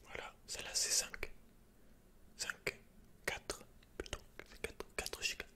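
Whispering young French man, hesitant and breathy. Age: young adult. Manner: hesitant, halting, soft-spoken. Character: awkward, introverted young male computer shop keeper. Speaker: ASMR roleplayer. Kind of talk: whispered ASMR roleplay. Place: indoors, dark backdrop. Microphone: close microphone.

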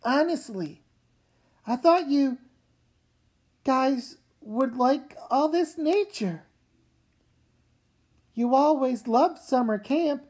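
A woman voicing a weary, gently firm mother with a measured, reasoning manner in a comic read-aloud. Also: sits high, animated, slightly rough, exaggerated voice. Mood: reassuring.

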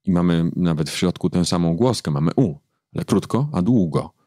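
A man, a book editor, explaining his craft thoughtfully in an interview, pausing often with fillers. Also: low voice, expressive, dark tone, no room sound, clean studio sound. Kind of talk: interview conversation.

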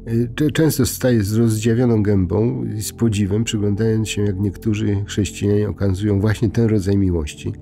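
Gravelly, mellow-voiced priest musing at bedtime. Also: male voice, on the low side, fairly even intonation, soft background music. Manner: unhurried, conversational, many hesitations and restarts. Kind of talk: informal bedtime reflection.

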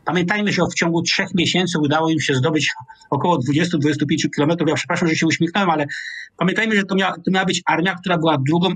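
A man in his sixties with a Polish accent, a military analyst explaining at a measured pace over a video call from a small home office. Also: a little high, fairly even intonation, slightly rough, no echo. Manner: measured, explanatory, restarts mid-word. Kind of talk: analytical interview commentary. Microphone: video call webcam.

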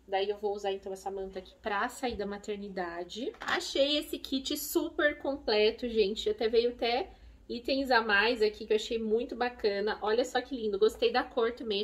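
A chatty, effusive woman with a Brazilian Portuguese accent, talking casually in a fairly high voice. She gushes freely as she walks through each item, sounding a little distant from the microphone. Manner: effusive and chatty, gushing over items. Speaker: vlogger, expecting mother. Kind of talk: casual shopping haul chat. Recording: voice a bit far from the mic.

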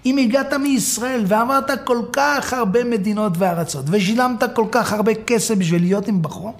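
A man voicing a foreign young woman who scolds a visitor in a mocking, blunt way, as part of a sermon story. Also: high voice. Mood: scornful.

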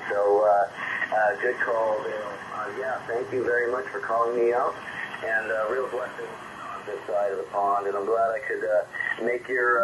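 A man chatting casually as a CB radio operator over a single-sideband link, folksy and hesitant, often pausing mid-phrase. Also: lowish voice. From United States. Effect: single-sideband radio transmission. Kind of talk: casual two-way radio chat. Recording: muffled, noisy shortwave CB radio reception. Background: radio static.

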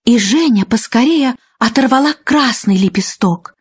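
Husky, lively woman storyteller. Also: on the high side, measured pace, no echo. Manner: expressive storytelling. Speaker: narrator. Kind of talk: scripted fairy tale narration for children.

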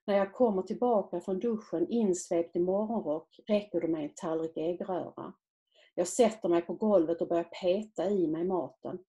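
A woman author reading aloud from her own novel in a measured, quiet literary manner. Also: fairly low pitch.

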